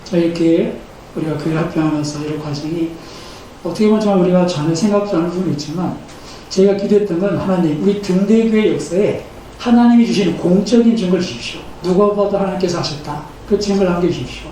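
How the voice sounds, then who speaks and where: A high, mellow-toned man in his fifties preaches in a big, echoing church sanctuary. He sounds a little far from the microphone, with faint noise underneath. His delivery is earnest and builds to emphatic rises. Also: quick pace. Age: 50s. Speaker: pastor. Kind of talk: sermon. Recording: echoey church hall, mic at a distance, faint noise.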